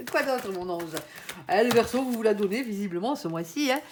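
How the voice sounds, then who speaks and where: A woman's voice: fairly high pitch, expressive, moderate pace, slight background noise. A woman giving a casual, chatty tarot reading, often tagging her sentences and speaking to her guardian angel. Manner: chatty, frequent tag "hein", addresses her angel. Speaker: tarot card reader.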